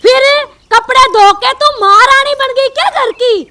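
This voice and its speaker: A woman's voice: very high voice, measured pace, bright, forceful tone, exaggerated voice. A woman playing a bossy mother-in-law who taunts and threatens in a comedy telefilm. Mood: scolding. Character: bossy scolding middle-aged mother-in-law.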